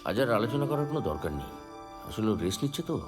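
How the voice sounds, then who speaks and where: An actor playing a calm investigator who questions suspects with pointed remarks. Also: male voice, mid-range voice, quick pace, music in the background, lightly acted. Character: calm, probing investigator's friend. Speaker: detective's companion questioning suspects in a film. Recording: film scene with faint ambient noise.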